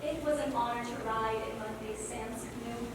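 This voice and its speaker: A woman playing a Native American girl who recalls her childhood in a deliberate, declamatory stage delivery. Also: fairly high pitch, steady tone, very noisy, lightly acted. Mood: wistful. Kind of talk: stage play monologue and dialogue. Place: theatre stage. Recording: echoey hall from far off, music behind.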